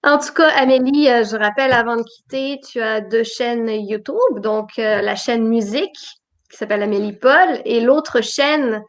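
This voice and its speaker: A woman's voice: on the high side, normal speed. A woman from Quebec with a mixed Quebec and France French accent, hosting a casual interview in a friendly, enthusiastic way. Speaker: host. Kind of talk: casual video-call interview.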